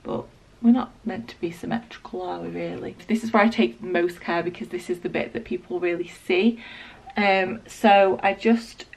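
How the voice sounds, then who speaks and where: Northern English woman, late 20s, croaky with a sore throat, gravelly, rambling vlog chat. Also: lowish voice, far from the mic. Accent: Northern English, Lancashire. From England. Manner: relaxed, rambling, lots of ums and likes. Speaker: beauty vlogger. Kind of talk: casual hair tutorial. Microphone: small external mic.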